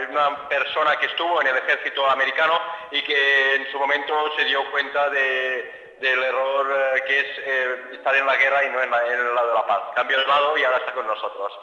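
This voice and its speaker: Bright, hesitant male radio interviewer. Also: mid-range voice. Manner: hesitant, frequent "eh" fillers and restarts. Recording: echoey hall, dull lo-fi sound.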